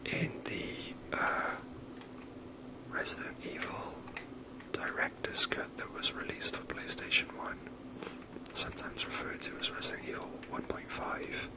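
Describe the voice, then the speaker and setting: Someone whispering asmr game commentary, all breath no voice, soft and rambly. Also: a little slow, low-quality recording.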